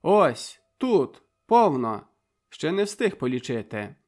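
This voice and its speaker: A man's voice: fairly high pitch, very animated, slow. A man voicing a shy but earnest young man in an audiobook, speaking emphatically.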